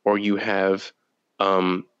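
A man co-hosting a casual sports chat podcast, telling stories in an animated way and laughing often. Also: deep voice, very slow, smooth, lo-fi sound. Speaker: podcast co-host.

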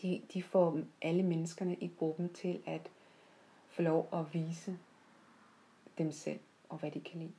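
Mellow, low-voiced woman reflecting. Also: level tone. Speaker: podcast host. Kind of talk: unscripted reflective personal storytelling.

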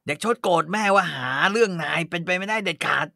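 A man reading a story aloud casually as a podcast host, with lively, expressive narration. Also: high voice, quick pace, vocal fry, no room sound, clean studio sound.

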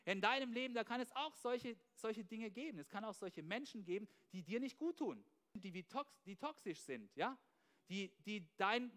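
A man's voice: sits high, a bit bright. A man preaching a sermon with energy, often starting phrases with "hey" and checking in with "ja?", mixing in English slang words. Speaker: pastor.

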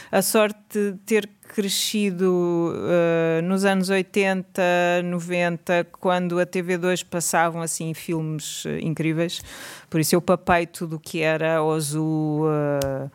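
A woman's voice: lowish voice, smooth. A woman with a European Portuguese accent, talking to an audience in a chatty, self-mocking way with many fillers. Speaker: speaker telling her story to an audience. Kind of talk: live talk to an audience.

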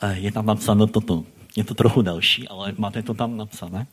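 Husky-voiced man preaching conversationally. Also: lowish voice, fairly even intonation. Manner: conversational, asks the congregation questions, repeats phrases. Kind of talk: sermon.

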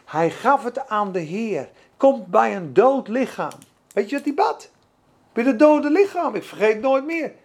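A woman preaching a sermon with fervent emphasis, asking her own questions and answering them, swinging between soft and loud. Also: fairly high pitch, big pitch swings, a little slow.

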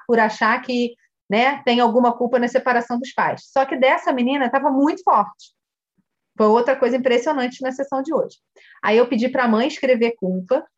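A Brazilian woman, a family coach, teaches by retelling a session in animated storytelling, acting out the dialogue and speaking straight to her listeners. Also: a little high, lo-fi sound.

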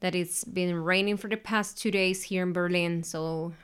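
Chatty Colombian woman, clear voice. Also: fairly low pitch, moderate pace. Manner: lively, chatty storytelling. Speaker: guest, host's wife. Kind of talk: casual interview chat.

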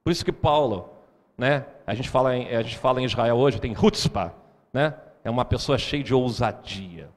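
A man preaching a sermon, lively and often turning questions to the congregation. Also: mid-range voice, normal speed. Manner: animated, asks the congregation questions. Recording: hall reverb.

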